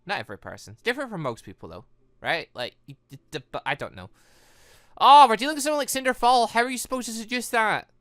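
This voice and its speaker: Male gaming commentator, lively swooping pitch, bright tone, rambling casual asides, dry recording. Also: fast talker, no room sound. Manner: rambling, animated, stammering asides. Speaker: gaming video host. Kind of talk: casual game playthrough commentary, reading dialogue aloud.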